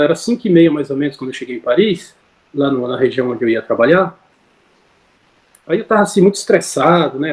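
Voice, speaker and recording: A man's voice: mid-range voice, darkish tone. A man telling a personal story in casual conversation, rambling with many fillers and self-corrections, heard over a video call. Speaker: interview guest.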